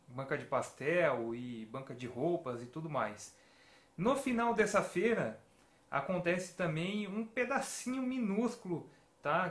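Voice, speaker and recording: Chatty Brazilian man, slightly high voice. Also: a bit bright, roomy sound. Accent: Brazilian Portuguese. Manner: chatty, storytelling with many tag questions. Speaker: retro gaming vlogger. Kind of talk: casual chat to camera. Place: home room with shelves of games and toys.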